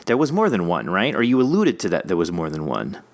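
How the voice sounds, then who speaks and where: Male podcast host with a deep voice, reflective and supportive, musing at length in relaxed conversation. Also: brisk. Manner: encouraging, reflective, wordy. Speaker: podcast host interviewing a writer. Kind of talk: casual interview chat.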